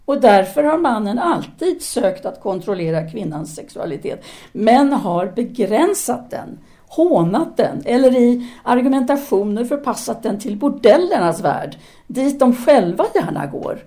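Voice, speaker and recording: A woman's voice: fairly high pitch, sing-song, mellow. An actress playing a self-assured, seductive intellectual woman, a didactic and teasing free thinker in an audio drama. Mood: firm, didactic.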